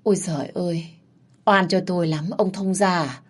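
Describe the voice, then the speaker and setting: A woman's voice: fairly even intonation, normal speed, breathy edge. A woman voicing a scheming middle-aged mother-in-law who wails and pleads her innocence in a tearful, wheedling voice. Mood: pleading innocence. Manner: tearful, wheedling, higher pitch.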